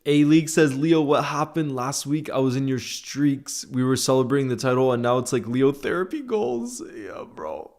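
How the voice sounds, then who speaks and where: A man's voice: medium pitch, lively intonation, moderate pace, few pauses, darkish tone. A man hosting a casual football livestream, reading out viewer comments and answering them informally, often repeating phrases for emphasis. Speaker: livestream host, football fan streamer.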